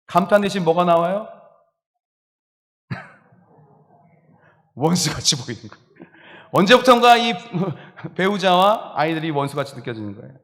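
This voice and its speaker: A male pastor preaching a sermon, lively and animated, acting out exclamations and laughing along as he speaks. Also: high-pitched. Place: church sanctuary. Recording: reverberant church hall.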